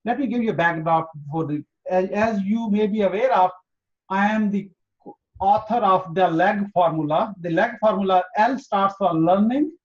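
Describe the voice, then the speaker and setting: A man from Pakistan hosting an interview, speaking earnestly and emphatically and spelling out his points slowly. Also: sits high. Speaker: interview host. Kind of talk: motivational interview. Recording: dull lo-fi audio.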